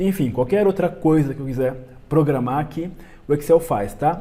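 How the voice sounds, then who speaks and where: A man speaks with a somewhat breathy voice. His tone is dark and mellow. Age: 30s. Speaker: online course teacher and founder. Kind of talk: tutorial. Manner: casual.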